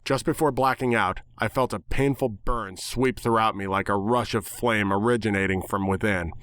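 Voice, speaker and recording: A man's voice: fairly low pitch, steady tone, moderate pace, fairly bright tone, clear, resonant tone, no echo. A man giving a dramatic first-person reading of a story as its narrator. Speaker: narrator of fan fiction.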